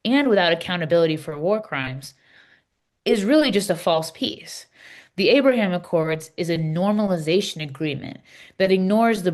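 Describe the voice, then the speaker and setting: An earnest Palestinian Christian woman, read by a woman in a readers theater piece, explains her cause with deliberate, emphatic phrasing. Her voice sits a little low and carries steady conviction. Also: close to an everyday voice. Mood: firm, grave. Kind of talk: scripted dialogue read as measured conversation.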